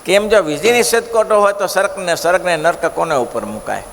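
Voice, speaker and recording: A male preacher tells scripture stories in an animated way, keeps throwing rhetorical questions at his listeners, and speaks with a gravelly, fairly high voice. The sound rings with long reverb from a big hall, with a faint hiss beneath it. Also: fairly quick. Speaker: religious preacher. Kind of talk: devotional scripture discourse.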